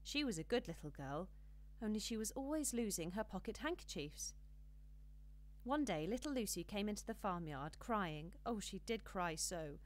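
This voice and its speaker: A woman with a medium-pitched voice narrates a children's storybook for an audiobook. Her storytelling is expressive and measured.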